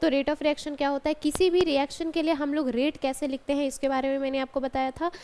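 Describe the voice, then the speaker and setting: A woman's voice: sits high, a little mellow. A woman, a college chemistry lecturer, teaching a class step by step and checking in with her students as she goes. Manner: explains step by step, often adds "ठीक है" and calls students "बेटा".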